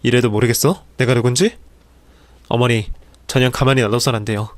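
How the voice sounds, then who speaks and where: A man's voice: medium pitch, steady tone, a little fast, dry recording, close to an everyday voice. A man playing an angry grown son who hurls accusations in a dramatized story reading. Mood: accusing. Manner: accusing, shouting insults. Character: furious grown son confronting his birth mother.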